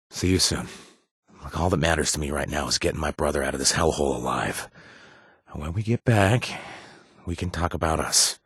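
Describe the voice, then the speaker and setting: An actor playing a gruff but awkward, loyal wasteland bartender in a video game, with a husky voice and a halting, casual delivery. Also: male voice, low voice, dry recording, studio quality, heavily acted. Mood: shaken, weary, then businesslike. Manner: halting, stammering, casual and self-deprecating. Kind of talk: naturalistic video game dialogue.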